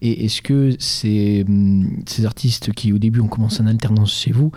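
A man's voice: lowish voice, steady tone, moderate pace, dark tone. A man hosting a casual interview, feeling his way through long, loosely phrased questions with a jokey touch. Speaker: interviewer, show host. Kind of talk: casual radio-style interview.

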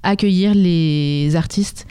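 A woman's voice: on the low side, slow, mellow, smooth. A woman answering as an interview guest for a music venue, explaining things in a conversational, welcoming way.

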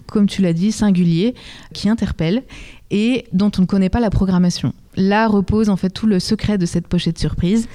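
A woman with a mellow, smooth voice speaks as an interview guest. She explains things conversationally, in a welcoming manner, at a medium pitch. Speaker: music venue programme representative, guest.

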